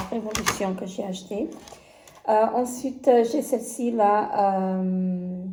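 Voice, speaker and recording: A woman talks slowly through her makeup palette collection in a casual review, stopping often with fillers and restarts. Her voice is soft and mellow. The room gives it a noticeable echo, with a faint hiss behind. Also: mid-range voice. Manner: halting, many fillers and restarts. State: has conjunctivitis. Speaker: beauty vlogger.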